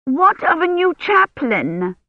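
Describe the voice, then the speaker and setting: A narrator voicing an imperious, complaining old noblewoman who gives sharp commands and keeps insisting. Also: high-pitched, expressive, normal speed, no echo, muffled recording, voice pushed up. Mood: insistent.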